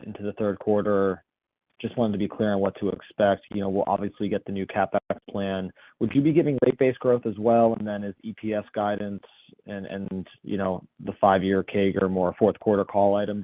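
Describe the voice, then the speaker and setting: Low-pitched male analyst on a phone line. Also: dry recording. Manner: casual, polite. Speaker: financial analyst asking questions. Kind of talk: earnings call questioning. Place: phone call. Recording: dry, thin phone line.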